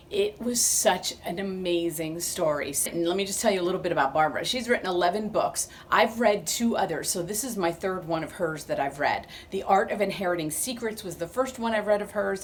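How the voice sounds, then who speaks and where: A woman's voice: fairly low pitch, a little hiss or hum. A woman in her fifties chatting enthusiastically to camera as she reviews a book she loved. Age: 50s. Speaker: book vlogger.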